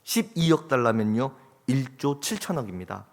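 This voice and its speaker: A male pastor preaching a sermon, dramatic and swinging from hushed to loud. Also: medium pitch, expressive, moderate pace. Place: church sanctuary. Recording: long church hall reverb.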